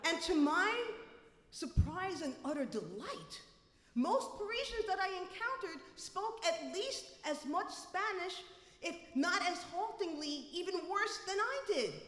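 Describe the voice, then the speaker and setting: A woman from New City, telling a comic personal story live, wry and animated. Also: very high-pitched, measured pace. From New York City. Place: live venue, reverberant room. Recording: echoey hall reverb.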